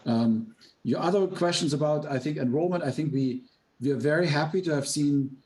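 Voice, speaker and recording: On an earnings call, a male company executive answers questions, explaining haltingly and repeating words. His voice is on the high side with a darkish tone, and the recording is rough.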